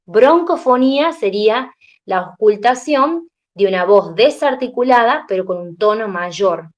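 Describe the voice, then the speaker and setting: A woman's voice: medium pitch, lively intonation, measured pace. A young adult woman teaching a class, tired, explaining step by step and often checking in with her students. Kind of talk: classroom lecture.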